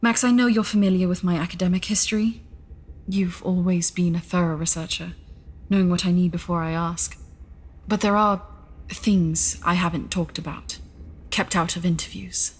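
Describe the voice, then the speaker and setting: A woman's voice: fairly low pitch, fairly even intonation, moderate pace, breathy edge. A woman playing a guarded, serious starship scientist in an audio drama, earnest, dry and precise. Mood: subdued, confiding. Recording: faint music behind the voice.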